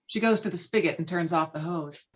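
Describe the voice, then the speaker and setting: A woman's voice: on the low side, fairly quick, breathy edge, muffled recording. A woman reading stage directions as narrator in a script table read.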